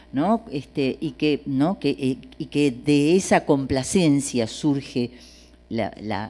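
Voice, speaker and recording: A woman's very deep, low voice with a dark, mellow tone, at a very slow pace. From Argentina, Buenos Aires. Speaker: stage actress and theatre director; stage actress. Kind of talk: public interview. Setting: auditorium with live audience. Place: hall. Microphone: studio mic.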